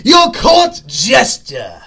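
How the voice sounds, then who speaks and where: A man playing a manic, theatrical villainous clown in a superhero radio drama, taunting in a drawn-out sing-song. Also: extremely high pitch, huge pitch swings, vocal fry, sharp tone, full character voice. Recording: music behind, sometimes echoing hall reverb.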